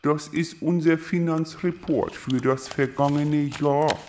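A man's voice: fairly high pitch, steady tone, takes it slowly, a little mellow, a little hiss or hum. A man playing a dutiful bureaucrat creature in a children's audio drama, officious and precise.

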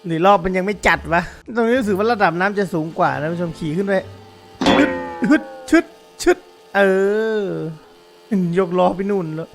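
A man giving excited game commentary to his viewers, exclaiming and laughing often. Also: high-pitched, a little fast, faint music behind. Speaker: gaming YouTuber.

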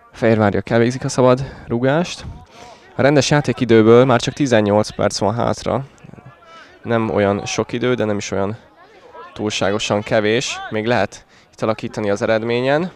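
A man giving conversational live football commentary in short calls, outdoors at a small ground. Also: medium pitch.

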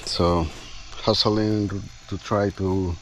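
A man's voice: lowish voice, little pitch movement, extremely slow, a little hiss or hum. A man talking casually to viewers while he works outdoors, thinking aloud in short, trailing phrases. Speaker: outdoor bushcraft video host. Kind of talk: casual talk while working. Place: outdoors at a building site.

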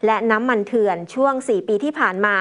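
Female news anchor, fairly high voice, steady formal read. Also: fast talker. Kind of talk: news report reading.

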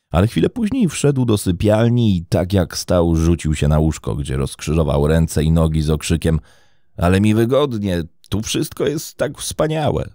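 A man's voice: very deep voice, no echo, studio quality. A man narrating a true crime story in a scripted, theatrical storytelling style. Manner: expressive, theatrical storytelling delivery.

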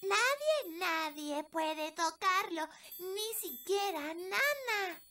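A performer voicing an eager young fairy princess girl in a Latin American Spanish cartoon dub, childlike and expressive. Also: very high-pitched, very slow, full character voice. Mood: bossy. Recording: music behind the voice.

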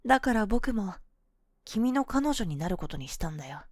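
A woman voicing a cool, boyish young woman, a possessive and sweetly manipulative lover, in an ASMR role-play of intimate pillow talk, soft, breathy and coaxing, close to the microphone. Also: mid-range voice, sing-song, moderate pace, no echo, close to an everyday voice. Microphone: close microphone, dry.

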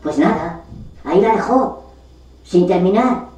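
Woman acting a slow, bitter forgotten character, echoey. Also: on the low side, animated, darkish tone. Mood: bitter indignation. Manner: slow, melodramatic lamenting with dramatic pauses. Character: forgotten, discarded literary character, bitter, self-pitying and indignant. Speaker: actor rehearsing a monologue. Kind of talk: theatrical monologue. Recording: distant mic, echoey room, faint noise.

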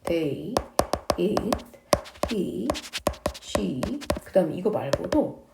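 Lady teaching english, slow careful reading, bouncy pitch, echoey room. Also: expressive, creaky, loud music behind the voice. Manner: reads English lines slowly, explains each in Korean. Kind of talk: English lesson, reading and translating dialogues.

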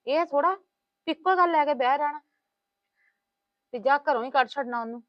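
Brief: actress as a complaining housewife, high voice, dull dry audio. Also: female voice, fairly quick, dry recording, natural voice. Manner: complaining, gossiping, soothing. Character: talkative scheming woman, middle-aged housewife. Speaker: housewife in a family drama. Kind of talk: web series acting. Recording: dull lo-fi sound.

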